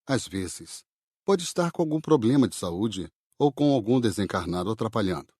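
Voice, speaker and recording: A Brazilian man voicing a patient spirit worker who explains in a measured, didactic way, with a slightly husky voice, in an audiobook. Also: fairly low pitch, animated, darkish tone, no room sound, studio quality. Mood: patient, explanatory. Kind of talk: audiobook dialogue reading.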